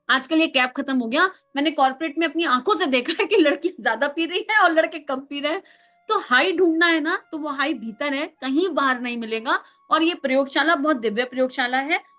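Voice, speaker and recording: A woman's voice: sits high, bright, forceful tone. A woman counsellor giving a spiritual talk, emphatic and full of rhetorical questions, now and then acting out family members.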